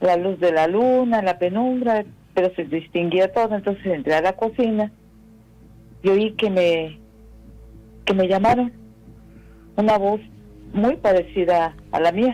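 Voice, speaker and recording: Over music in the background, a woman speaks at a fairly slow pace and medium pitch. Long, frequent pauses break up her very even loudness. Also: ordinary pitch variation. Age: 60s. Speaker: caller. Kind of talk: personal testimony.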